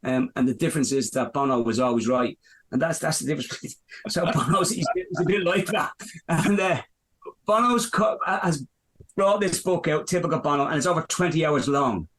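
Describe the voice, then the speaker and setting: A Dublin business owner in his fifties, Irish-accented, answers podcast interview questions at a moderate pace. His voice is a little high and a bit bright, and he rambles with lots of fillers and restarts.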